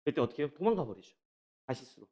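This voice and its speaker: A man, the pastor, preaching a sermon in an animated way and firing rhetorical questions at the congregation. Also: a little high, racing. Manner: draws the congregation in, addressing them directly.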